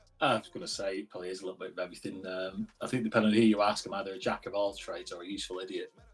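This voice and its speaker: In a strong northern English accent, a man speaks at a very fast pace with hardly any pauses. His loudness swings widely while his intonation stays fairly even. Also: fairly low pitch for a man. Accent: thick northern British. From northern England. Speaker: crypto project team member. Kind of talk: casual interview. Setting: group voice chat.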